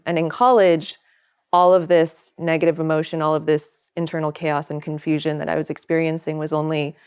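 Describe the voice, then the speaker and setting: A woman's voice: deep voice, a little mellow, smooth. A young woman from Hawaii with an American accent, an interview guest telling her story in an earnest, thoughtful way. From Hawaii, United States. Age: young adult. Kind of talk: personal, reflective storytelling.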